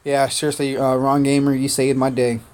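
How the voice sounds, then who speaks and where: A man born in Korea whose first language was Korean, chatting casually on a game livestream, thanking viewers by name and filling pauses with "uh" and "man". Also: mid-range voice, little pitch movement, darkish tone. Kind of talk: casual gaming livestream chat.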